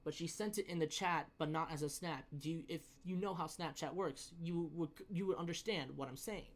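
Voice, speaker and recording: Young man in an exasperated, sweary rant. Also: on the high side. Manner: profane, exasperated, emphatic, halting with repeated words. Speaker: storyteller. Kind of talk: casual ranting storytelling.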